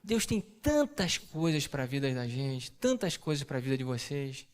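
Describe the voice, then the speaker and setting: A man giving a sermon testimony to a church audience, telling a family story in an animated way and acting out the dialogue. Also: medium pitch, a little slow.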